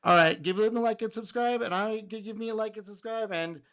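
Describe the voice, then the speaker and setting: A man hosting a casual reaction video, speaking in an animated way, laughing and acting out quotes, his voice going a little hoarse. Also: sits high, a little fast. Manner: animated, exclaims and laughs, acts out customer quotes. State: getting hoarse.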